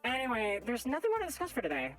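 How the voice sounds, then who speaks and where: A man voicing a cheery, encouraging, bossy-sweet high school club president girl in a visual novel. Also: wildly swooping pitch, fast, fairly bright tone, soft background music, heavily acted. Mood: upbeat. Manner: chirpy, encouraging.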